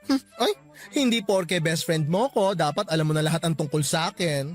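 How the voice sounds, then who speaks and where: A man's voice: on the high side, moderate pace, natural voice. An actor playing a flamboyant, exasperated gay young father in a radio drama, sassy and theatrical, with music underneath. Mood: exasperated, defensive. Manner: campy, theatrical, bantering.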